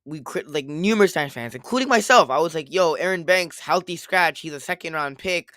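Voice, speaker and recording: A man co-hosting a casual sports podcast, rambling and circling back to his points, a little hoarse after a cold. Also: on the high side, lively intonation, a little fast, fairly bright tone, no echo, clean studio sound. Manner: rambling, repeats himself, quotes others. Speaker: podcast co-host.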